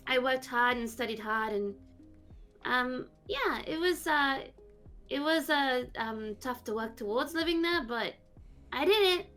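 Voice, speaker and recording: Guest spot: fairly high woman's voice, rambling and halting, soft music underneath. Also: animated. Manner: rambling, halting, many fillers. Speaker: VTuber guest. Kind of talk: casual interview chat.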